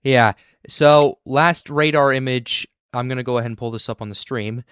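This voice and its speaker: Man, weather stream host, smooth clear voice, dry close sound, stumbling restarts. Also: medium pitch, a bit bright, no room sound. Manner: halting, many restarts. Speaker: livestream host. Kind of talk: live weather stream chat.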